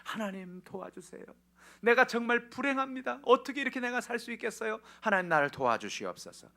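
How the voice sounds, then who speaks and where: Man acting tearful praying woman, desperate, pleading, high strained voice, bright. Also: very animated, fairly quick, gravelly, heavily acted.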